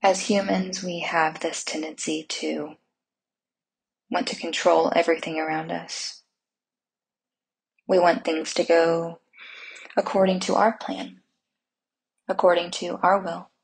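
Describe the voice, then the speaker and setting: A woman leading a Christian guided meditation in a soft, breathy voice, soothing and unhurried, with gentle instructions and long pauses. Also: lowish voice, little pitch movement, slight background noise, low-quality recording.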